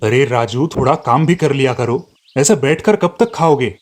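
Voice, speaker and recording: A man's voice: medium pitch, normal speed, close to an everyday voice. Man doing a grumbling weary village father. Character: stern tired village father.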